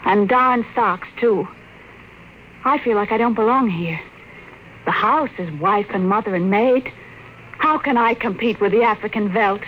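A woman's voice: mid-range voice, measured pace, long pauses, lo-fi sound, lightly acted. An actress playing an anxious, restless wife and mother in a 1950s radio drama, fretful and pleading. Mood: uneasy, unhappy. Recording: faintly noisy old radio recording.

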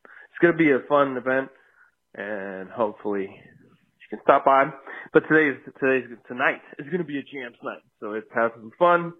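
A man's voice: medium pitch, animated, normal speed. A man leaving a casual voicemail greeting, played back over a phone line. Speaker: caller.

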